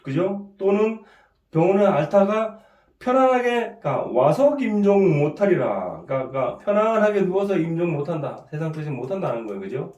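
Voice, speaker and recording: A middle-aged man with a cold and a sore throat, giving an informal lecture. He keeps asking "right?", clears his throat often and restarts his sentences. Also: high-pitched, sing-song, brisk, a little mellow, recorded from a distance, muffled recording. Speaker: saju fortune-telling teacher. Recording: echoey room, voice set back from the mic.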